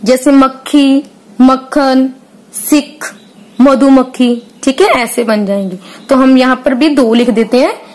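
A woman teacher goes slowly through a grade-school workbook, asking questions and answering them herself. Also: sits high, fairly even intonation, darkish tone, poor audio. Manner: patient, drawn out, asks and answers her own questions, frequent "theek hai". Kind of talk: slow classroom lesson explaining a workbook.

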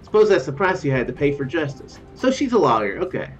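A man in his thirties streams from a small room at home, reading game text aloud in a fast, sing-song, rather high voice and stopping now and then to muse and correct himself. Game music plays behind him, picked up by a dull lo-fi mic.

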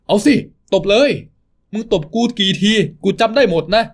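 A man's voice: on the high side, fast, lightly acted. A man voicing a defiant young man who curses back at captors and fights to protect his small son.

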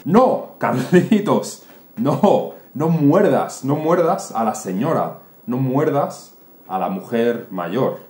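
A man's voice: lowish voice, lively intonation, takes it slowly, darkish tone. A man voicing a worried, protective mother who scolds her son emphatically, recorded in a roomy space. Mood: scolding. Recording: roomy room, faint noise.

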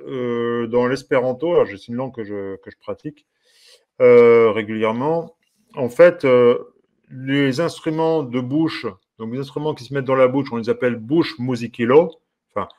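A man who teaches harmonica talks his way through what he is browsing in a relaxed, casual commentary. He sounds curious and amused, musing aloud and breaking off with soft exclamations, his voice sitting at an ordinary middle pitch.

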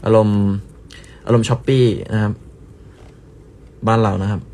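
A man's voice: fairly low pitch, steady tone, slow, warm tone, a little hiss or hum. A young man chatting casually with viewers on a phone livestream, playful and repetitive, dropping in bits of other languages. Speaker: livestream host. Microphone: phone held close.

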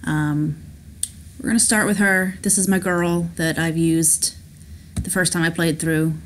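A woman's voice: fairly low pitch, steady tone, measured pace, a little hiss or hum. A woman chatting her way through a story game at home, reading the text aloud and gushing about it. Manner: chatty, enthusiastic, giggly, with restarts. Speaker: let's play host. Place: home, at a laptop.

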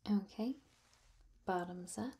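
Woman playing a breathy, whispering, gentle apothecary. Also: medium pitch, full character voice. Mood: soothing. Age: young adult. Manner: gentle, slow, reassuring. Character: gentle, attentive female apothecary potion maker. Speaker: ASMR roleplayer. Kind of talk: soft-spoken ASMR roleplay. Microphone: close ASMR microphone.

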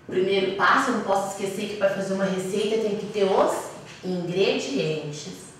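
A Brazilian primary school teacher, a woman, slowly explaining a lesson for young children and sounding out syllables. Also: mid-range voice, a little hiss or hum. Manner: slow, patient, sounds out syllables. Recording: echoey room, voice from a distance.

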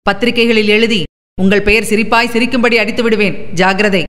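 A fierce young idealist shouts back at his captors, defiant and indignant, as a woman reading a novel aloud puts him on. Her pitch sits mid-range for a woman, and the lines trail off into a long reverb. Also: steady tone, a little fast, natural voice.

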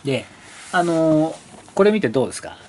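A man with a fairly high, sing-song voice hosts his motorcycle channel, chatting and rambling casually while flipping through an old brochure and posing questions to the viewer. He slowly reads the brochure copy aloud, and there's a slight hiss or hum.

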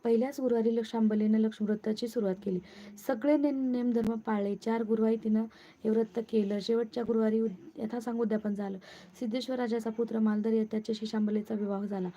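Woman storyteller, devotional tale, high-ish dark tone, muffled lo-fi recording. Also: steady tone, fast. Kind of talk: reading a devotional vow tale.

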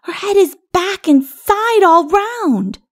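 A woman's voice: extremely high pitch, lively intonation, takes it slowly, pitched above the performer's own voice, heavily acted. A woman voicing a small, innocent child in a storybook, anxious and trusting, with an earnest, pleading way of talking. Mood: earnest wonder.

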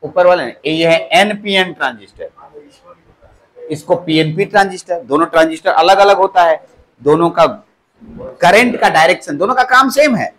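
A man's voice: sits high, moderate pace, fairly bright tone. A male polytechnic teacher giving a classroom lecture, repeating key words back to his students as questions. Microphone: clip-on mic at the waist.

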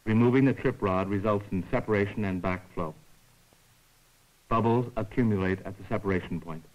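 A man with a fairly low voice narrates an educational science film. His delivery is scripted, formal and measured, explaining each point in the orderly way of a lecturer. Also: dull audio.

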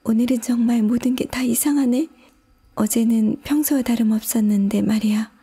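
A curious little girl in whispered role-play, as a woman puts her on, breathy and hushed, questioning herself in bewilderment. Her voice lifts well above a grown woman's own, light and girlish. The whisper is soft and airy, mellow rather than bright. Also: on the high side, steady tone, moderate pace, voice pushed up. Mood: bewildered. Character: curious puzzled little girl, easily upset.

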